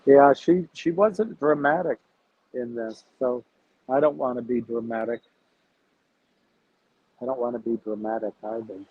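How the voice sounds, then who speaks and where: A man hosting a casual livestream about investing, talking to his viewers in a measured, reflective way as he thinks aloud. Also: mid-range voice, slightly rough. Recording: tinny phone-like sound.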